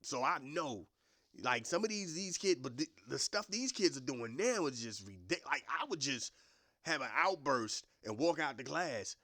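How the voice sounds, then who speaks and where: Man, podcast host, comic storytelling, lively pitch, dry close sound. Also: moderate pace, no room sound. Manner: animated, jumps into voices and quotes. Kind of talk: comedic storytelling monologue.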